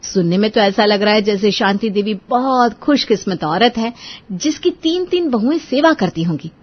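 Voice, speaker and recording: A woman narrating a family story in an animated, expressive manner. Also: mid-range voice, moderate pace, lo-fi sound. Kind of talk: scripted narration.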